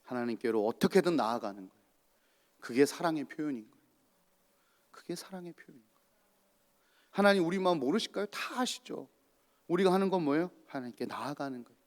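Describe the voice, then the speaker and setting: A man's voice: on the high side, lively intonation, fast talker. A male pastor giving a sermon and asking the congregation rhetorical questions. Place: church. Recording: long church reverb.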